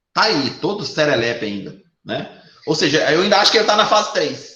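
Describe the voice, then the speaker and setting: A man speaks at a moderate pace in a high, bright and sharp voice with very wide pitch swings, and the room echo is audible. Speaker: university lecturer. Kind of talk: lecture. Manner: conversational.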